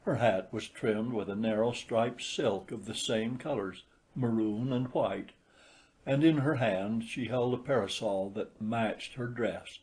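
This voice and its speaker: A man's voice: fairly low pitch, a little slow, darkish tone. A man reading a literary short story aloud as an audiobook narrator.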